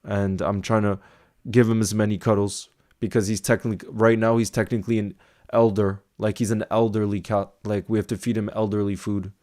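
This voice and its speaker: A man's voice: on the low side, level tone, normal speed, a little mellow. A man hosting a casual football live stream, answering viewer comments in a chatty, thinking-aloud way with small restarts.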